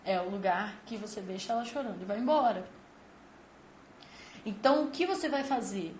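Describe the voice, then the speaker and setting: A woman's voice: mid-range voice, moderate pace, slight background noise. A woman hosting a parenting channel, talking to parents emphatically and explaining through vivid comparisons. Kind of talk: advice talk to parents. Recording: roomy echo with faint ambience.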